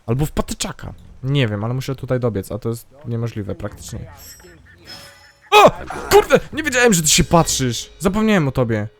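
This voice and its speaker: A man's voice: mid-range voice, very animated, normal speed, fairly bright tone. A man hosting his gaming channel, giving casual let's-play commentary in a chatty, self-mocking way and talking to himself as he plays.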